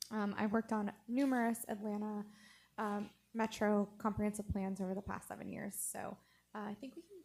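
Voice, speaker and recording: Fairly quick and somewhat breathy, a woman speaks at a medium pitch with fairly even intonation. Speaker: urban planning consultant. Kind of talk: presentation. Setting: city council meeting.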